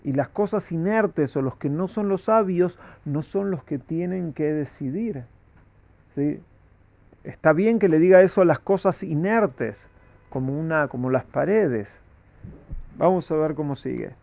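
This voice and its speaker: A man's voice: a little high, expressive, a little slow, creaky, a little mellow, no echo. A man, a rabbi, teaching a Talmud class and asking his students rhetorical questions.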